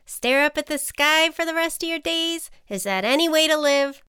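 A woman's voice: high-pitched, expressive, moderate pace, bright, forceful tone, dry recording, clean studio sound, pitched above the performer's own voice. A woman voicing a small, cheeky male ant who persuades and encourages in a chummy, folksy way, as in a children's storybook. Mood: coaxing.

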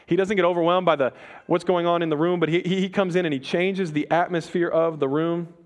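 Young male pastor, slightly high voice, casual conversational sermon delivery. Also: fairly even intonation. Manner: casual, conversational preaching with quick asides.

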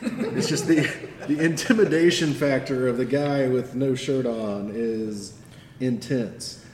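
A man, narrating a tabletop game as game master with amused, unhurried delivery, in an echoey room. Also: mid-range voice, darkish tone, slight background noise. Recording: echoey room with faint ambience.

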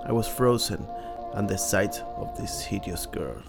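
A man narrates horror fiction in a low voice with heavy creak. His delivery is scripted and dramatic, and music plays clearly behind him. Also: lively intonation, measured pace. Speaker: horror story reader.

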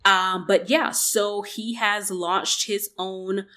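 A woman's voice: medium pitch, steady tone, slow pace, pushed and bright. A woman co-hosting a casual tech news podcast, chatty and polite in manner. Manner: chatty, polite, laughs easily. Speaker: podcast co-host.

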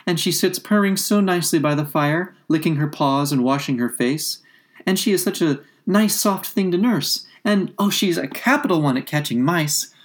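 A woman's voice: sits low, expressive, moderate pace, pitched above the performer's own voice. A woman voicing a polite, chatty, curious young girl from a storybook, with an eager, earnest, apologetic manner. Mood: eager, soothing.

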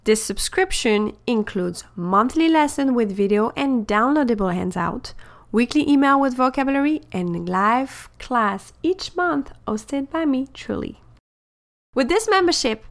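A woman's voice: on the high side, fairly bright tone. A woman hosting a podcast interview in English, speaking in an upbeat, chatty way. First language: French. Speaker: podcast host.

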